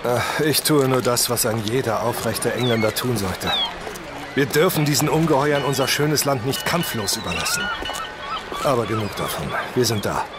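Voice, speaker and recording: An actor playing an upright, resolute and kindly English gentleman in an audio drama. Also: mid-range voice, animated, moderate pace, over loud music, lightly acted. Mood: grave, resolute.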